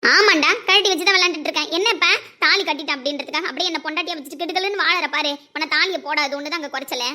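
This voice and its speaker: A woman's voice: high voice, rapid-fire, pushed and bright. A woman playing a stubborn young wife in an amateur audio drama, with defiant, taunting retorts.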